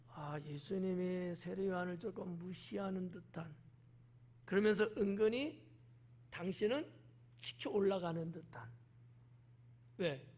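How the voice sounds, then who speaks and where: High-voiced pastor preaching conversationally. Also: male voice, creaky. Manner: conversational preaching with acted quotations. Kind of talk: sermon.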